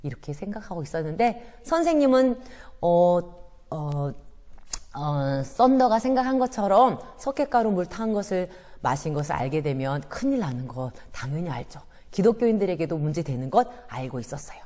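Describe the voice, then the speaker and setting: A woman telling a Bible-based story to children in an animated, sing-song way. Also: lowish voice, normal speed, in a large hall.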